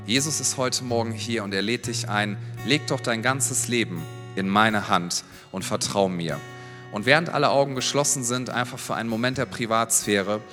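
A man's voice: medium pitch, normal speed. Fervent preacher man in a reverberant church. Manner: earnest, pleading, rising into fervent prayer. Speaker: pastor. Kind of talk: sermon with altar-call prayer. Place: church service in a large room. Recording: church hall reverb with soft guitar.

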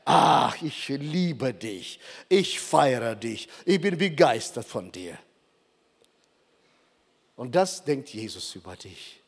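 An older man preaching a sermon, emphatic and slowing down for dramatic pauses. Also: sits high, in a large hall.

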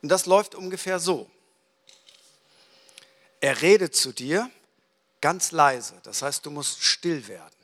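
A man preaching a sermon in a lively storytelling way, acting out little dialogues as he goes. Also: a little high, takes it slowly, long pauses. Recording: reverberant hall.

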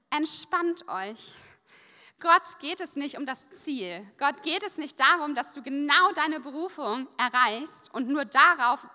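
A woman preaching a sermon in a lively, conversational way, pausing so an interpreter can follow. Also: sits high. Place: church service hall. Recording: long reverb of a church hall.

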